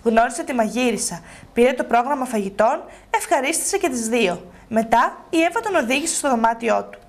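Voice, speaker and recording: A woman's voice: fairly high pitch, lively intonation. Woman host narrating a story steadily. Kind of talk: reading a book aloud.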